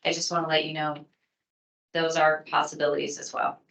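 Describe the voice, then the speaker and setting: A woman's voice: low voice, flat delivery, a little fast, a bit bright, distant mic. A woman, a city official, explaining plainly at a public contract briefing. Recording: echoey meeting room.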